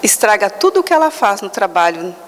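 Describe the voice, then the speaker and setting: A woman giving a talk at a Spiritist center, telling stories with animated quoted asides. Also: mid-range voice, a little fast, big-room sound, heavy background noise.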